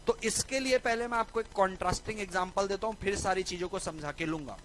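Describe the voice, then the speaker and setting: A young man teaching law in a lecture, telling a personal story in a lively way and often asking his listeners whether they agree. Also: high voice, quick pace, slight background noise, low-quality recording. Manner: lively, keeps asking "right or not?". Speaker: law tutor.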